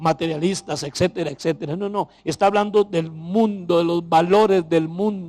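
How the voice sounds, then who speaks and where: In a dry, close sound with no echo, a man with a Costa Rican accent and a high pitch speaks at a moderate pace. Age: 60s. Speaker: pastor. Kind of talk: sermon. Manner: animated.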